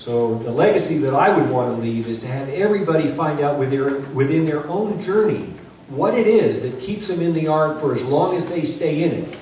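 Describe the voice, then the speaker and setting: A man with a fairly high pitch and ordinary pitch variation talks at a moderate pace, with audible room echo and noticeable background noise around him. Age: 60s. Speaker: martial arts instructor. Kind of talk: panel talk.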